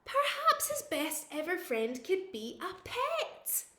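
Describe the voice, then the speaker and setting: A woman reads a children's picture book aloud like a teacher at storytime, expressive and playful. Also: very high-pitched, slow pace, echoey room. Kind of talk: animated children's storytime reading.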